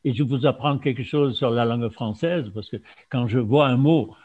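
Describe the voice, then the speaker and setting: Halting German man on a dull recording. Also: mid-range voice, darkish tone. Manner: halting, many fillers and restarts. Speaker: speaker on fasting. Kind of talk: informal lecture to an audience. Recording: dull lo-fi sound.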